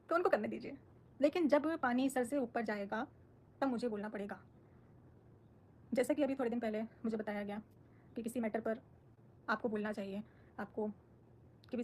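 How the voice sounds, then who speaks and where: A woman's voice: on the high side, darkish tone, breathy edge. A woman on a live stream, answering her viewers' comments in a firm, defensive, outspoken way. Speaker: social media creator on a live stream.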